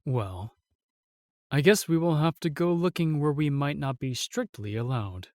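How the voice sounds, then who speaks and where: A man's voice: on the high side, expressive, darkish tone, no echo. Man acting a steadfast royal guard, close and dry. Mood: calm, resolute. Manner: formal, measured, reassuring. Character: steadfast, protective male royal guard, formal and earnest. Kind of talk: fantasy audio drama acting.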